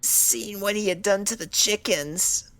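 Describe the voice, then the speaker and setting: A woman voicing a timid, traumatized female cartoon pony in a fan fiction audio drama, speaking in a halting, tearful way. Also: medium pitch, a bit bright. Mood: weary, uneasy. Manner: halting, hesitant, tearful delivery.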